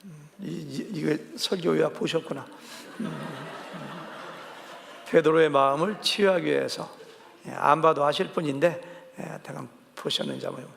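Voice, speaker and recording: Preaching in a church sanctuary with long reverb, a senior pastor keeps his sermon conversational, questioning the congregation and bringing quoted dialogue to life. His fairly high voice is creaky and a bit bright, with a steady tone and moderate pace. There is slight background noise.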